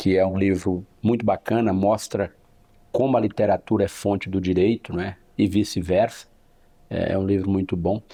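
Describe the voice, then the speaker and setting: A man with a fairly low pitch speaks at a moderate pace in a dark, mellow tone, his intonation flat and monotone. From northern Goiás (now Tocantins), Brazil. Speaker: criminal lawyer. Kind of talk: interview.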